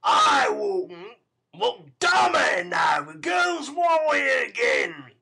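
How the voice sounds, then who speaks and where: Man acting brutal robber, savage, shouting, high strained voice, gravelly. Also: wildly swooping pitch, drawn-out words, full character voice. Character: brutal hot-tempered male robber.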